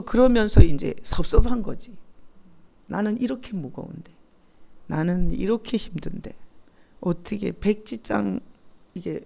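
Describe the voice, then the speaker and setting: A woman's voice: medium pitch, creaky, mellow. A middle-aged woman pastor leading a Bible study in a conversational, candid way, often asking the group questions and laughing.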